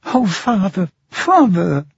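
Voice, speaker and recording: A man's voice: creaky, a little mellow, husky, no room sound, full character voice. A man doing a tearful blind girl. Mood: anguished. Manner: trembling, pleading, high and slow. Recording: muffled, dry, lo-fi.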